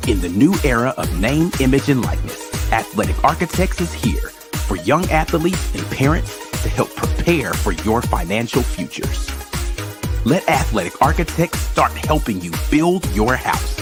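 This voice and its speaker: A man delivers a scripted advert voiceover with lively, varied intonation at a medium pitch. Electronic music plays clearly behind him. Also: normal speed. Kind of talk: scripted promotional narration.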